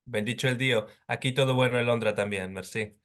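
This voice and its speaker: A man's voice: medium pitch, fairly quick, a bit bright. Attentive male interview host. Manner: attentive, frequent short backchannel sounds. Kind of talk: interview hosting. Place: home in London.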